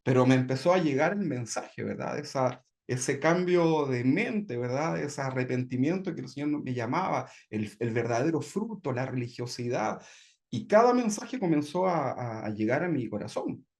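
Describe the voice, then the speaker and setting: A man's voice: mid-range voice, lively intonation, normal speed, a little mellow. A man from Chile sharing his personal testimony in a conversational way, often checking in with tag questions. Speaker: church member giving testimony.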